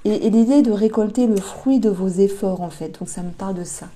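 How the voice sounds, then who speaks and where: A woman giving a monthly tarot reading, talking gently with many hesitations and restarts. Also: medium pitch, a little fast. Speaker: tarot reader.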